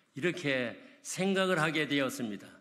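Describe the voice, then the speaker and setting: A fairly high-pitched man at a fairly slow pace, with ordinary pitch variation and audible room echo. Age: 80s+. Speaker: honorary university president. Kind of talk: press conference speech.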